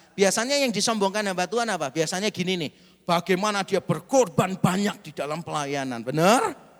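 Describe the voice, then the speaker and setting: Lively intonation from a man with a high voice, fairly quick in pace, on a very clean recording with a silent background. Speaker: preacher. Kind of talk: sermon. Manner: casual, animated.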